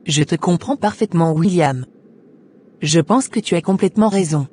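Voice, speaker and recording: A woman voicing a kind, devout character in a Christian cartoon, with a husky voice and gentle, formal delivery. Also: lowish voice, normal speed, a little hiss or hum, lightly acted. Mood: surprised, agreeing. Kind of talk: scripted Christian animation dialogue.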